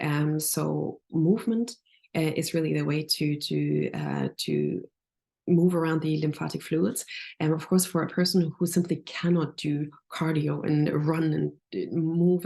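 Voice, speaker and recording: A woman nutritionist talking through health advice in a relaxed podcast interview, pausing often and restarting her sentences. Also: sits low, gravelly. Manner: thoughtful, many restarts and fillers. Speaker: nutritionist guest.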